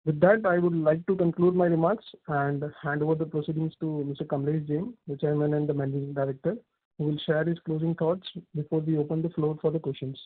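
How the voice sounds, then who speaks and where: A man's voice: on the high side, level tone, brisk. A man with an Indian accent formally presenting financial figures as a company executive on an earnings call over a phone line. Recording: muffled, phone-like conference line.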